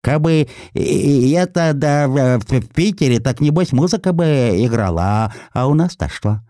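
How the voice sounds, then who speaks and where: A man voicing a lamenting old village woman with a toothless mumble and halting, folksy speech in an audiobook. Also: medium pitch, expressive, warm tone, no echo, studio quality, pitched above the performer's own voice, natural voice. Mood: plaintive, grumbling.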